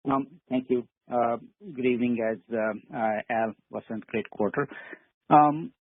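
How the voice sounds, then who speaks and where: A man's voice: medium pitch, unhurried, no room sound. A man speaking as a financial analyst, asking a question on an earnings call in hesitant phrases. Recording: dry, narrow-band phone line.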